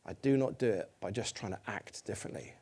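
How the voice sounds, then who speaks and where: A man's voice: on the low side, fast talker, darkish tone, husky. A middle-aged man preaching a sermon in a church, conversational and self-deprecating, putting questions to the congregation.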